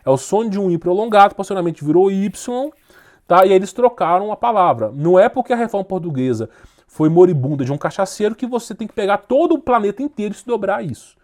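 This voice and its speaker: Emphatic man lecturing, higher voice. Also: big pitch swings, fast talker, darkish tone. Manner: emphatic, insistent, repeats "tá?" and "ok?"; rises in force when making a point. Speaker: teacher of esoteric history. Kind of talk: informal video lecture.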